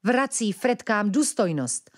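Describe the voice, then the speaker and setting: A woman voicing a young female ferret princess in a raised, expressive voice. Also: medium pitch, pitched above the performer's own voice, natural voice. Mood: aloof.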